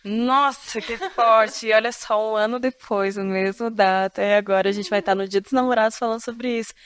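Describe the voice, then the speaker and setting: A woman pastor from Florianópolis hosts a faith podcast in a lively, expressive way, laughing often and turning to her listeners. Her voice sits a little high. The recording is dry and close. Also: fairly quick, clear, resonant tone, dry recording. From Florianópolis, Brazil. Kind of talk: casual faith-based podcast conversation.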